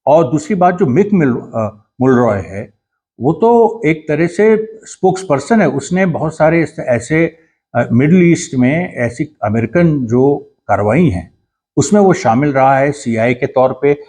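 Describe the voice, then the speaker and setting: A man with a husky, slightly rough voice talks through a political commentary in an earnest, explanatory way. He pauses, backs up and restarts his sentences as he goes. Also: a little high, lively intonation, dark tone. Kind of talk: casual commentary monologue.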